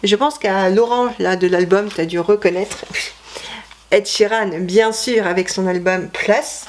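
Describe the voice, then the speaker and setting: Woman vlogger, mid-pitched, rambling casual chat, faint noise behind. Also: steady tone, a little slow. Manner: chatty, rambling, self-correcting with many fillers. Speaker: vlogger showing her CD collection.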